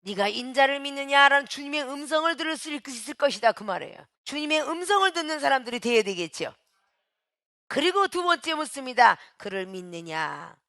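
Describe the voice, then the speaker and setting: High, gravelly-voiced woman pastor preaching. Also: expressive, fairly quick, no room sound, studio quality. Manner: emphatic, swinging between shouting and hushed speech; preaching in a dramatic way, calling out to the congregation. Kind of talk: sermon.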